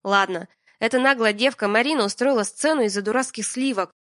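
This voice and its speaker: A woman's voice: a little high, brisk, fairly bright tone, no echo, clean studio sound, close to an everyday voice. A woman voicing a smug, sneering man, a soon-to-be ex-husband, in an audiobook. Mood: pushy.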